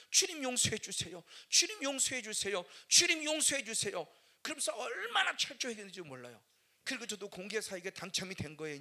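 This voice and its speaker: A middle-aged man preaches a testimony sermon in a high, piercing, very bright voice. He swings from loud, forceful outbursts to hushed murmurs. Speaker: pastor.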